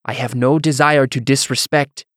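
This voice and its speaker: A man's voice: medium pitch, fairly even intonation, moderate pace, fairly bright tone, no room sound, studio quality, voice pushed up, lightly acted. A man voicing a proud, confused and angry immigrant island worker in a fantasy audiobook, with a thick foreign accent and stiff, formal phrasing. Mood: placating.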